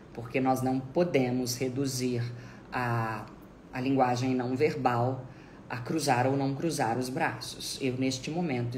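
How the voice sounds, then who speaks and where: A woman's voice: rumbling low, roomy sound, a little hiss or hum. A woman in her forties, an oratory teacher lecturing a live audience in an emphatic, theatrical way, acting out dialogues. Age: 40s.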